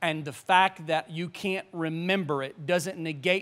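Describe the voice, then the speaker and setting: Fairly slow and fairly even in intonation, a man talks in an ordinary speaking voice at a fairly high pitch. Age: 40s. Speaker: pastor. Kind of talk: sermon. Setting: church service streamed online.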